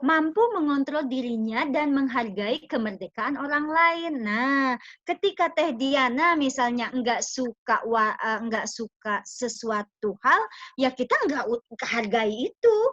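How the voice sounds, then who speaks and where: In a dry, close sound with no echo, a woman with a high pitch and lively intonation speaks at a very slow pace with hardly any pauses. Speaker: community leader giving motivational talk. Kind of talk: motivational talk. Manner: casual, conversational with audience.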